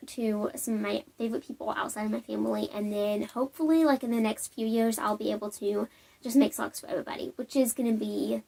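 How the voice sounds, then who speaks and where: A woman's voice: on the high side, fairly even intonation, quick pace, creaky, warm tone. Bubbly, chatty young woman. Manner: bubbly, chatty, many "um"s and tangents. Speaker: knitting podcast host. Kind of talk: casual chat to camera. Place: at home.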